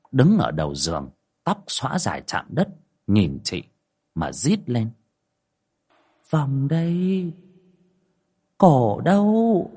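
A man narrating a ghost story in a hushed, dramatic way. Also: on the low side, husky.

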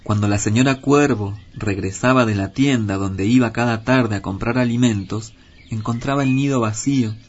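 A man reading a children's story aloud in a measured, expressive way. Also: lowish voice. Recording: dull lo-fi with faint hiss.

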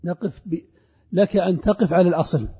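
A man lectures on grammar to a class in a large hall, and his words ring out with a long reverb. His voice sits fairly high for a man but sounds very dark and mellow, with a slightly husky edge. He asks questions and answers them himself, then repeats each example slowly, all on a dull, lo-fi recording. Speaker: grammar teacher.

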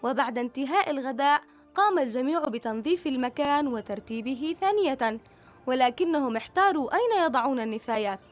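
A woman narrating a children's story in a warm, expressive storytelling voice. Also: high-pitched, fast, soft background music.

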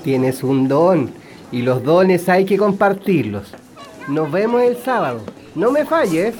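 A man's voice: high voice, sing-song, takes it slowly, crowd noise, heavily acted. A man playing a kindly fatherly priest. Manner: warm, encouraging, fatherly. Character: kindly middle-aged parish priest. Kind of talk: radio drama acting.

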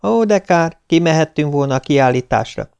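A man voicing a friendly, chatty young woman doctor, raising his pitch for her. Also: lively intonation, vocal fry, darkish tone, clean tone. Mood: cheerful.

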